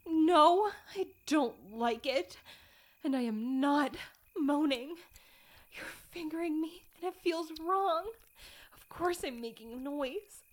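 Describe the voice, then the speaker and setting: A young woman playing a proper young lady who is trapped and pleading, speaking in formal, old-fashioned phrases with breathy whispered pleas. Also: high voice, slow pace, long pauses. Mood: distressed, defiant. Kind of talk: solo audio roleplay.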